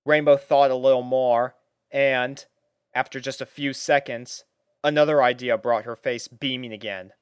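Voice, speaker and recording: A narrator reading a story aloud in an expressive, scripted storybook style. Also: mid-range voice, normal speed, clear, resonant tone, dry recording. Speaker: fan fiction narrator.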